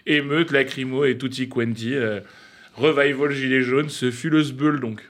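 A man's voice: medium pitch, steady tone, a little slow, a bit bright. A young man giving a scripted, playful radio column, mock-pompous and laughing at his own jokes.

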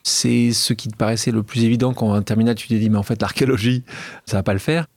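A man's voice: mid-range voice, fairly even intonation, quick pace, gravelly, a little mellow, no echo, studio quality. A man hosting an interview, asking long, leading questions in a talkative way. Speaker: radio/podcast host. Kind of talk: interview conversation.

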